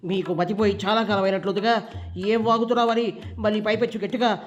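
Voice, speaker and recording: A man's voice: high voice, steady tone, fast talker. A man hosting a satirical comedy segment, teasing in a sing-song way. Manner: teasing, sing-song, keeps tacking on a fond "babu". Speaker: satirical show host. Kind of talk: mocking comedy commentary. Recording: dull lo-fi voice-over with background music.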